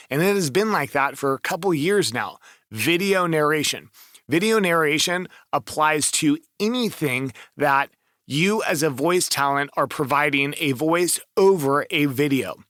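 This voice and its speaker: A man's voice: fairly high pitch, pushed and bright, dry recording, clean studio sound. A man giving enthusiastic, emphatic advice as a voice-over coach in a casual screen-share review.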